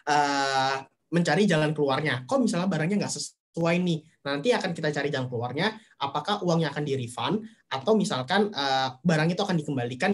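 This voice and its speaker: A man speaking for a marketplace company in a webinar, explaining step by step and leaning on fillers. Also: medium pitch. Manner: explanatory, leans on fillers and "nah". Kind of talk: webinar presentation.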